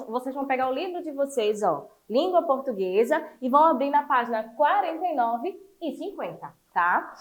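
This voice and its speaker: Lively high-voiced woman teaching children. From Brazil. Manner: lively, encouraging, explains step by step. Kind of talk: online class for children.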